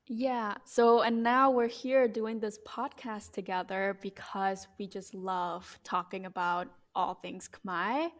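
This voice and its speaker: Easygoing young woman from Cambodia. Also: fairly high pitch. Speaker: podcast co-host. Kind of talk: casual chat.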